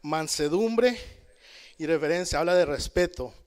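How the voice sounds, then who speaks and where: A man leads a church Bible study, his voice pitched a little high and resonant. He talks to the congregation in an easy, conversational way. He calls out amen and checks in with his listeners as he goes. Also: unhurried, darkish tone, clean tone. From El Salvador. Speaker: preacher. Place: church in Canada.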